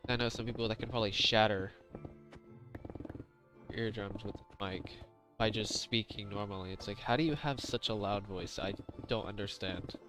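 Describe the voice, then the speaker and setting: Soft-spoken low-voiced male streamer over music. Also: moderate pace. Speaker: game streamer. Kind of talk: casual rambling livestream chat. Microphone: close gaming mic with high gain.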